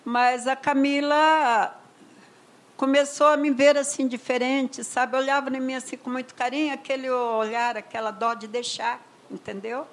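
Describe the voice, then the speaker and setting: An older woman with a Brazilian accent, telling a personal story as a mother in an emotional, conversational way, often trailing off softly. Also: high voice, steady tone, normal speed, rough recording. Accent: Brazilian Portuguese. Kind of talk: personal testimony.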